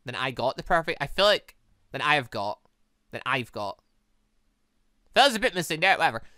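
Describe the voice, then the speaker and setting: A man's voice: on the high side, very animated, fairly quick, bright, forceful tone, no echo, studio quality. A British man hosting a gaming playthrough, rambling and musing aloud as he gives casual commentary. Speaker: gaming video host.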